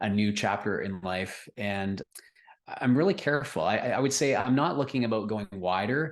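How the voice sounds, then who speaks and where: Over a quiet background, an unremarkable speaking voice moves at a moderate pace with lively intonation. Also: man, medium pitch for a man. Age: 50s. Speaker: entrepreneur, toy maker. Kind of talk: interview conversation.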